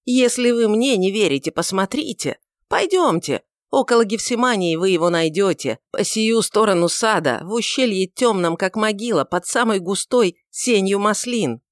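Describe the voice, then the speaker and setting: A woman's voice: on the high side, measured pace, dry recording, studio quality, voice pushed up, natural voice. A woman reading aloud and voicing a grown male apostle, anguished and desperate, in wailing, frantic outcries. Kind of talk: audiobook reading of a dramatic novel.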